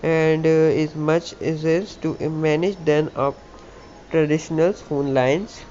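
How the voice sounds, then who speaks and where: A man with a South Asian accent, native in Hindi or Urdu, presents a tech video in a slightly high voice. His delivery is halting, with stumbles and repeated words. The recording is dull and lo-fi, with faint background noise. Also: level tone, darkish tone. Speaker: YouTube tech channel host. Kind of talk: tutorial, reading an article aloud with casual asides. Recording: muffled lo-fi mic with background noise.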